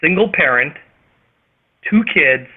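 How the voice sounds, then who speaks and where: A man with a Canadian accent hosting a motivational group conference call, speaking emphatically and theatrically with dramatic pauses. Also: fairly high pitch, lively intonation, breathy edge. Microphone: phone or web conference call. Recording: tinny phone-line radio sound.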